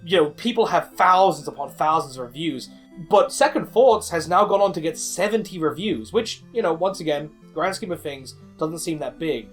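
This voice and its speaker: A man's voice: on the high side, lively intonation, moderate pace, soft background music. A man narrating a personal video about his own work in a conversational, rambling, self-deprecating way. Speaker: indie game developer and video creator. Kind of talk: casual scripted-feeling personal narration.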